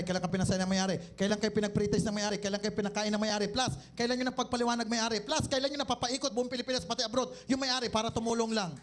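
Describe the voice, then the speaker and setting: A company owner with a Filipino accent leads a live sales seminar, his voice sitting high for a man. He keeps the room going with banter and teasing, firing rhetorical questions at the listeners. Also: slight background noise.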